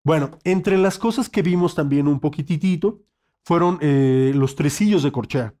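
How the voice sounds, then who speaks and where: A man leads an online saxophone lesson. His voice sits a little high, and he speaks patiently, checking in often with the student. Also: moderate pace, mellow. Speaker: saxophone teacher.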